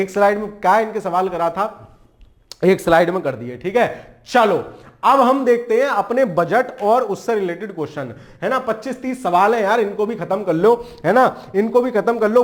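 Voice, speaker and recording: A man teaching an exam-prep lesson in a casual, joking way, with memory tricks and frequent check-ins, speaking. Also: high-pitched. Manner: chatty, jokey memory tricks, frequent "ठीक है".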